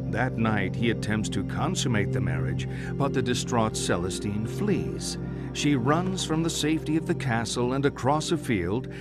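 An actor playing a composed middle-aged male psychiatrist in a video game, telling things in a deliberate, theatrical way. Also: mid-range voice. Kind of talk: dramatic video game monologue.

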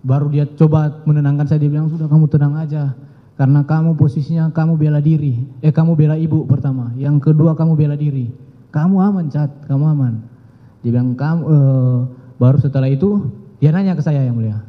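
A young man giving halting, deferential testimony in court, repeatedly addressing the judge. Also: a little high, steady tone. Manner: halting, deferential, often says "Yang Mulia". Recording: muffled broadcast audio with long courtroom reverb.

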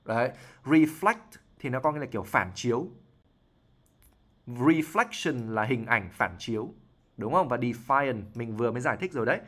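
A man's voice: medium pitch, lively intonation, normal speed, fairly bright tone. A man, an IELTS teacher explaining English words from a novel, often checking in with "right?" and repeating himself. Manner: explanatory, frequent "right?" tag questions and repetitions.

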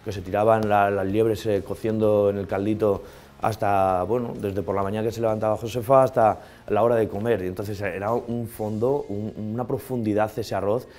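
A man's voice: lowish voice, fairly even intonation, moderate pace, a little mellow, soft background music. A chef in his thirties talking enthusiastically in an interview, on a lapel mic. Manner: enthusiastic, nostalgic. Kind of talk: interview talk.

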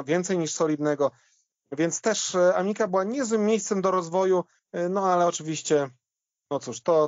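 A man's voice: a little high, a little mellow, no echo. A man in a conversational sports history discussion, thinking aloud with some hesitation as he talks. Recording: slightly dull, band-limited audio.

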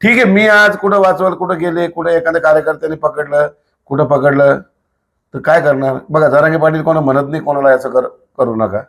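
High-pitched, creaky-voiced blunt man. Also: fairly even intonation, brisk, fairly bright tone. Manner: blunt, emphatic, rhetorical questions. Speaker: political activist, interview guest. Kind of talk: casual spoken interview.

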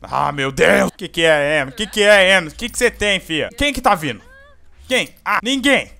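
Um jovem brasileiro narrando uma partida com gírias, bronqueando os personagens com empolgação. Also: male voice, sits high, normal speed, gravelly. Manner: excitable, scolding the characters, slangy. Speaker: gameplay host. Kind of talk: casual gameplay commentary.

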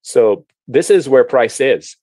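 A man's voice: medium pitch, slow pace, no room sound. Chatty Lebanese-born man teaching trades. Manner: animated, restarts often, mixes in slang. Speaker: options trading educator. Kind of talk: casual webinar explanation while sharing charts. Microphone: video call.

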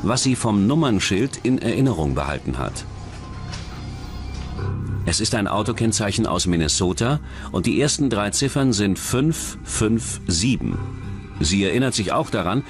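Man, low voice, varied intonation, scripted crime documentary narrator, matter-of-fact. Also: very animated, unhurried. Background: background music.

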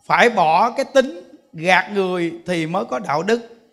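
A man giving a Buddhist sermon, telling stories in an animated way and acting out the voices of the people he quotes. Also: sits high, normal speed. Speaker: Buddhist monk teacher.

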